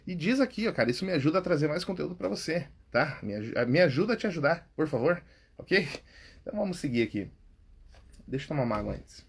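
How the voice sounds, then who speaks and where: A man's voice: a little high, sing-song, fast talker, gravelly, slightly rough. A Brazilian man hosting a podcast on public speaking, coaching listeners in a chatty, casual way. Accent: Brazilian Portuguese. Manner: chatty, says "cara" and "tá?" often, laughs at himself.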